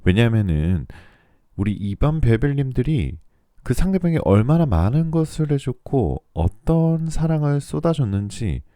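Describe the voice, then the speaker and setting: A man reading tarot for listeners in a soothing, polite, measured radio-like style, his voice still recovering from a throat cold. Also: mid-range voice, big pitch swings, mellow, dry recording, clean studio sound. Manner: soothing, polite, measured delivery meant to lull listeners to sleep. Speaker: tarot reader and channel host.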